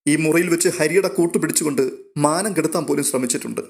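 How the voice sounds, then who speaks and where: A man's voice: on the high side, fast talker, gravelly, darkish tone. A young man, full of regret, pleads for forgiveness in a choked, faltering voice, read by a male storyteller close to his own voice. The tone is earnest and apologetic. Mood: remorseful.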